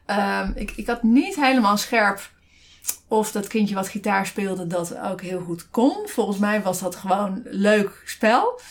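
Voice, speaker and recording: A woman's voice: medium pitch, animated, measured pace. Dutch woman chatting, full of fillers. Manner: hesitant, many fillers and restarts. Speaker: podcast co-host. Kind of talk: casual conversational podcast. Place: at a desk beside her co-host.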